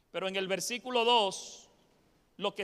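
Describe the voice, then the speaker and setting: A man projects his raised voice at a high pitch. His tone is bright and sharp. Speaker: preacher. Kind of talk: sermon.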